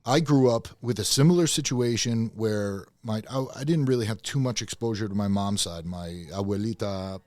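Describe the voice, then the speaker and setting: A middle-aged man talking loudly and passionately, with plenty of swearing, as a guest in a casual podcast chat. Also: fairly low pitch, moderate pace, few pauses, no room sound, studio quality. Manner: loud, passionate, profane, emphatic.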